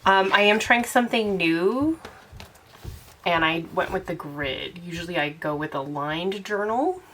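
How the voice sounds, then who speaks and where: A woman's voice: fairly low pitch, expressive, unhurried, fairly bright tone, slight background noise. A young woman with a congested voice from a cold, chatting casually as host of her own channel. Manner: chatty, rambling, laughs often. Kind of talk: casual chat to camera.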